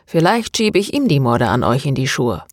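A woman's voice: very deep voice, big pitch swings, normal speed, no echo, clean studio sound, heavily acted. A woman voicing a deranged captive man who hisses venomous threats, in an audiobook. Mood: threatening. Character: menacing deranged man, tied up, taunting.

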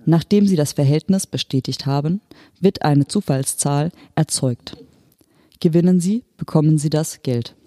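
An audiobook narrator reading a story in an even, measured way. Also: medium pitch, dry recording, studio quality. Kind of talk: scripted narration.

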